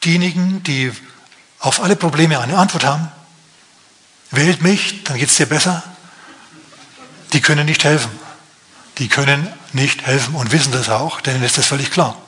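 A male pastor preaching a lively storytelling sermon, dramatizing the story and addressing listeners directly. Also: fairly high pitch, brisk.

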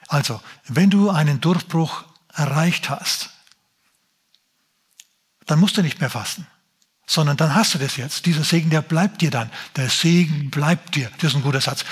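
A man preaching a sermon, talking emphatically with drawn-out phrases and addressing the congregation directly. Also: on the high side, breathy edge. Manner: emphatic, drawn-out phrases, shouts in mock drill voice.

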